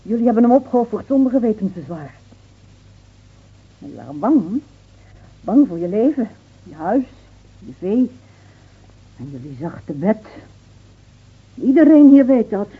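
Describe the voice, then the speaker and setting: An actress playing a bitter, grieving village wife in an intense, emotional radio drama. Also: female voice, medium pitch, big pitch swings, a little slow, long pauses, husky, exaggerated voice. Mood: bitter, accusing. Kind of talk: Dutch radio drama acting. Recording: muffled, phone-like old radio recording.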